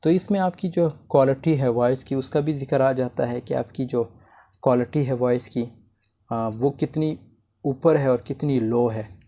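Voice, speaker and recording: A man teaching an online lecture in an unhurried, measured way, with a dark, mellow tone. He reads each English line off his slides and then explains it at length, circling back over the same words. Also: mid-range voice. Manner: repeats words while explaining.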